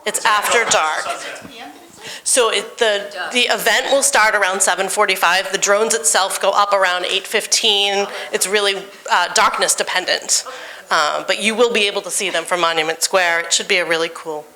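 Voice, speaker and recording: A woman organizer addressing a public meeting, explaining plans in a slightly halting, informative way. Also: mid-range voice, fairly even intonation, pushed and bright, rough recording. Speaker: event organizer.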